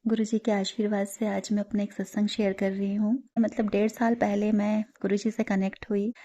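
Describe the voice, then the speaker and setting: A woman's voice: mid-range voice, flat delivery, normal speed, mellow. Earnest woman giving a devotional testimony. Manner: earnest, mixes English words into Hindi. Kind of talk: personal spiritual testimony.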